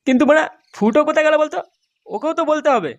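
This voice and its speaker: A man's voice: very high voice, very fast, faint music behind. A man voicing a lecherous, grumbling, foul-mouthed young fellow in a crude comedy cartoon. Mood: grumbling, lustful. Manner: crude, bragging. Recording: faintly noisy cartoon soundtrack.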